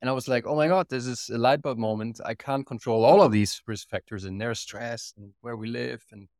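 A man's voice: mid-range voice, fairly even intonation, fairly quick, darkish tone, no echo, clean studio sound. A man from Germany with a German accent, a company co-founder telling his story in a casual interview, earnest and full of restarts. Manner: earnest, many restarts and repeated words. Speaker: guest, company co-founder and CEO.

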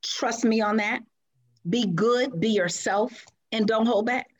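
A woman's voice: a little high, slow pace, muffled recording. Effusive woman producer guest. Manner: effusive, gushing, many fillers. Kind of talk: casual interview chat.

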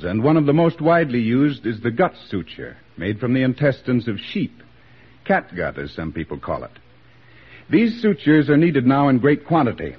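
A man delivering a formal, measured radio commercial as a sponsor's spokesman, in a 1940s broadcast. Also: mid-range voice, slightly rough, muffled recording.

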